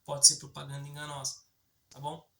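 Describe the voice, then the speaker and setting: Brazilian guy, bright voice, chatty english tips video, keeps going "tá bom?" at the viewer. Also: on the high side, monotone, fairly quick, gravelly, slight background noise. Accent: Brazilian Portuguese. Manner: chatty, often checks in with the viewer. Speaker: English teaching YouTuber. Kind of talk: casual explainer video.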